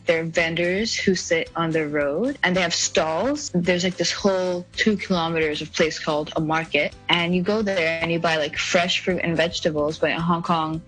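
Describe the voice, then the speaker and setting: A woman's voice: fairly low pitch, fairly bright tone, low-quality recording. A woman in her late teens from India, answering interview questions in a casual, chatty way with lots of "like" fillers. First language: an Indian language other than Hindi. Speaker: guest.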